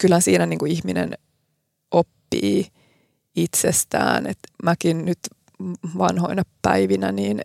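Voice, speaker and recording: A woman's voice in a dry, close sound with no echo. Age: 30s. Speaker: lawyer sharing personal story. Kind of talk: personal testimony. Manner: halting, many repeated words.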